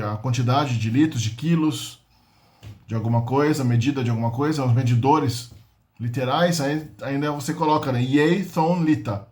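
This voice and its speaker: A man giving an informal linguistics lesson, explaining patiently and sounding out foreign words. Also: on the high side. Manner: explains slowly with many fillers and restarts, sounds out foreign words. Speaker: linguistics channel host.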